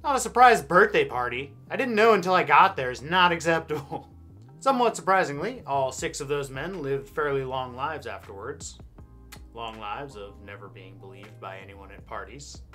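An American man in his thirties narrating scripted comic history with wry, deadpan sarcasm. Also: medium pitch, moderate pace, soft background music. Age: 30s. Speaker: host. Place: indoor studio with backdrop.

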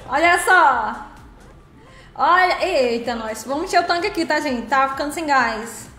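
A woman's voice: high-pitched, animated, unhurried, sharp tone, faint music behind. A woman, casually chatting on a live game stream, greeting viewers by name and laughing often. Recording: roomy echo.

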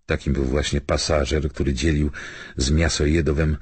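Very deep, husky male audiobook narrator. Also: flat delivery, normal speed, darkish tone, dry recording. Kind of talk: scripted literary narration.

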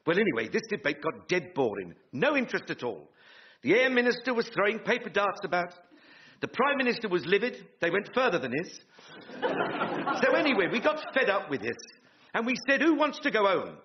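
A self-important radio sitcom politician with a high, swooping voice. He is grand and boastful, yet chummy and colloquial. The recording is dull with faint noise. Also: big pitch swings, a little fast. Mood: boastful anecdote. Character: pompous, self-important, chummy new independent MP. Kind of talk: 1950s-style radio sitcom acting.

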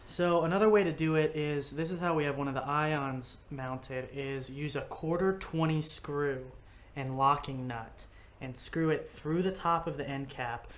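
Indoors in his living room, a Texas man who hosts fishing videos builds something with his hands and casually explains each step into a head-mounted action camera. His voice sits at a fairly high pitch with a fairly bright tone, and he takes his time.

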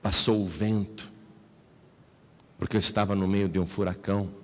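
A man preaching a personal testimony, shifting from slow, hushed, low delivery to high, emotional outbursts. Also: fairly even intonation. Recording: long hall reverb.

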